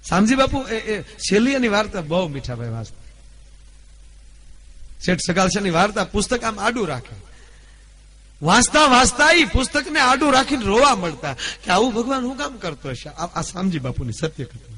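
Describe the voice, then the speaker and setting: Man, folk storyteller, slightly high voice, emphatic, swings from loud to hushed. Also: big pitch swings, normal speed, slightly rough. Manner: emphatic, declaiming loudly at peaks, then dropping to a low confiding tone. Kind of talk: live folk storytelling (dayro).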